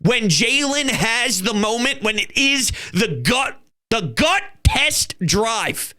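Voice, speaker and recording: A man's voice: extremely high pitch, sing-song, slow pace, sharp tone. A man hosting his own fan channel, talking football in an emphatic, fired-up way and swearing now and then. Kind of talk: fan commentary vlog.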